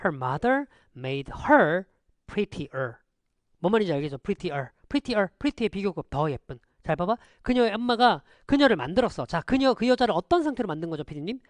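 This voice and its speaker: A male teacher gives an online lecture in a dry, close-sounding voice. His pitch swings widely as he fires quick rhetorical questions at students. He slides between polite and casual speech. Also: sing-song, no room sound. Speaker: English teacher.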